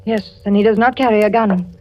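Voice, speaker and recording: An actress with an English accent playing a frightened young wife who pleads for protection in a 1940s radio drama. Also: female voice, medium pitch, steady tone, a little fast, a little mellow, slight background noise, lightly acted. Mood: fearful. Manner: anxious, pleading, breathless. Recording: dull old radio recording.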